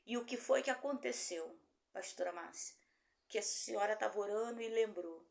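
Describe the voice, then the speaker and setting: A woman's voice: normal speed, gravelly. A middle-aged Brazilian woman pastor, preaching a sermon and telling a story, acting out the voices of the people in it. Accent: Brazilian Portuguese. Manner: storytelling, acts out dialogue with rising pitch. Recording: echoey room.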